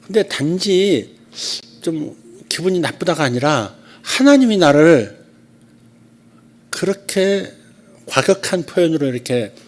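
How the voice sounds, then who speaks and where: A man who is a pastor, giving a conversational sermon at a church service, telling stories and swinging between loud and soft speech. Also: fairly high pitch.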